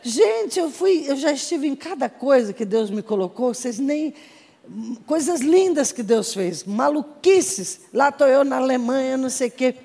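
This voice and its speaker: A Brazilian woman missionary telling her testimony to a congregation in a lively storytelling manner, acting out the voices of the people in her story. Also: on the high side. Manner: animated storytelling with acted quotes. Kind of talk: testimony sermon. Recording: reverberant hall.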